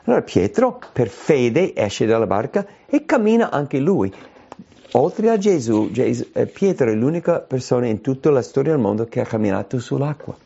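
A man delivers a sermon with a gravelly, mellow voice. His pitch swoops widely, jumping high when he acts out quoted cries. The recording is dull and lo-fi. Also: moderate pace. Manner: animated preaching, voice leaping high when quoting cries. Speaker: preacher.

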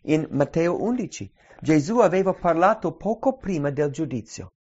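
A man preaching a sermon and reading scripture aloud, with an emphatic delivery that slows on key phrases. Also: on the high side, lively intonation, a little mellow. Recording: dull lo-fi recording.

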